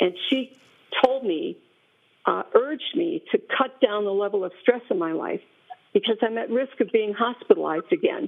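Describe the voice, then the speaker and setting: A woman with a high pitch and very wide pitch swings. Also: moderate pace. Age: 60s. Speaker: resident at a public hearing. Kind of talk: public hearing testimony. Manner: pleading, emotional.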